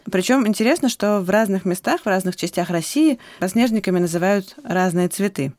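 A woman's voice: mid-range voice, fairly quick, a little mellow, no echo. A woman co-hosting a children's podcast, explaining things conversationally like a teacher. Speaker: podcast co-host, biology teacher.

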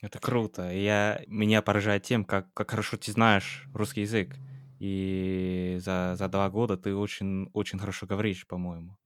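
A man from England with an English accent and English as his native language, co-hosting a casual interview in an encouraging, halting way with repeated words. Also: low-pitched, little pitch movement, clean tone, no room sound, clean studio sound. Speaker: podcast co-host.

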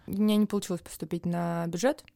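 A young woman from Siberia, co-hosting a podcast and telling stories about her student years in a casual, animated way. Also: on the low side, fast, creaky, no echo, studio quality. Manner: animated storytelling with playful impressions and laughter. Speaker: podcast co-host. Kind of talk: casual chat.

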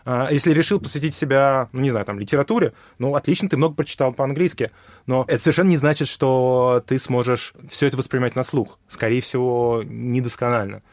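A man's voice: medium pitch, a little fast, no room sound, clean studio sound. A man explaining how to study a language in a conversation, thinking aloud with many fillers and restarts. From Russia. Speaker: guest, English teacher.

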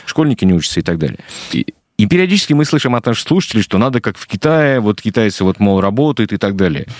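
Low-voiced, fast-talking male radio host. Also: very animated, darkish tone, no echo, studio quality. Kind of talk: conversational morning radio interviewing. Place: radio studio.

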